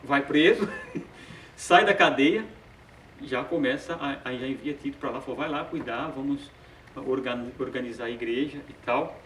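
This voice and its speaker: A man's voice: medium pitch, normal speed, fairly bright tone, slight background noise. Man teaching Bible study, roomy sound. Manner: hesitant, repeats filler sounds, chuckles often. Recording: roomy sound from a distant mic.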